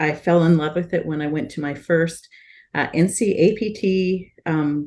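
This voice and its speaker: A plain, everyday voice with ordinary pitch variation comes through against a quiet background. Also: woman. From Alberta, Canada. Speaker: play therapist. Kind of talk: casual panel conversation.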